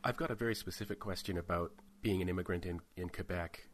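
A noisy recording of a man with a fairly low voice, acting as interviewer. He puts his questions conversationally, carefully rewording them as he goes. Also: fairly even intonation, fast talker.

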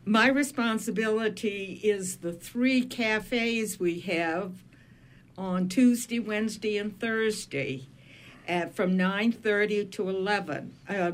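An older woman with a Maine accent, a retired minister, talking as a guest on a radio show in a thoughtful, unhurried way with frequent pauses. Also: medium pitch. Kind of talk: casual radio conversation.

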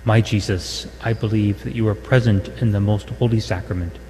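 A man's voice: on the low side, steady tone, normal speed, a little mellow. A man reverently reciting a devotional prayer as its leader, in a reverberant hall. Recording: reverberant hall, faint noise.

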